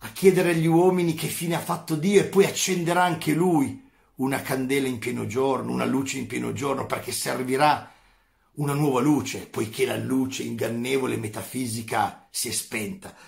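Gravelly male philosophy teacher. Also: mid-range voice. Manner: emphatic, repeats phrases for stress. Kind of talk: video lesson.

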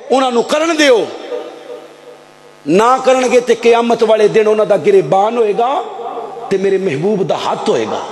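A man in his thirties with a Punjabi accent, preaching an impassioned sermon into a close mic, often shouting and calling on the crowd to answer. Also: sits high. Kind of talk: fiery sermon. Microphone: stand mic close up.

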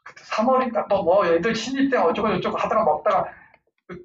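A man in his fifties giving a lively parenting lecture, laughing often and acting out angry outbursts as examples. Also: high-pitched, brisk. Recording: far-off roomy lo-fi lecture recording with faint noise.

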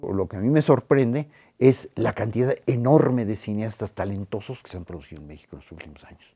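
A man's voice: mid-range voice, warm tone, breathy edge. A man, a film critic and author, giving interview soundbites emphatically, with restarts and fillers.

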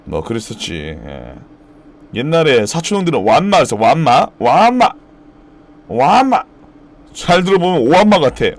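A young man streaming live, chatting casually about dialect words and loudly mimicking regional expressions. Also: fairly high pitch, sing-song, a little fast, creaky. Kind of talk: casual stream chat, reading viewer comments.

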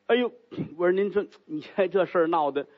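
A man's voice: high-pitched, lively intonation, fairly quick, narrow, tinny audio. A man voicing a nervous male opera actor who stammers and pleads, in a storytelling act. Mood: flustered, pleading.

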